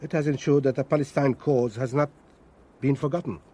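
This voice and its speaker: Husky, formal Arab guerrilla commander played by a man. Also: mid-range voice, fairly even intonation, mellow, close to an everyday voice. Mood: unyielding. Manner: formal, measured. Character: grave, courteous, unyielding male Palestinian guerrilla commander. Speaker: actor playing a guerrilla leader.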